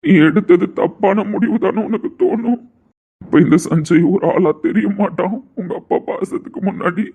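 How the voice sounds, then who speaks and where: A man voicing a cold, resigned young man in an audio drama, giving blunt, measured refusals. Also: sits high, breathy edge. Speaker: lead character in an audio drama. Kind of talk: emotional Tamil audio-drama acting. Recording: tinny phone-like sound.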